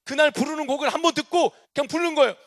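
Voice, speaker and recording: A man preaching a testimony sermon as a guest preacher. His delivery is animated, with loud declarations and soft asides. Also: very high-pitched, racing. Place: church sanctuary.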